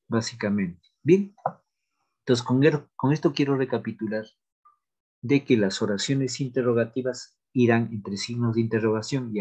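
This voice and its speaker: A man teaching an online grammar class, talking haltingly with many fillers and restarts, and repeating example sentences aloud. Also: mid-range voice, a little mellow.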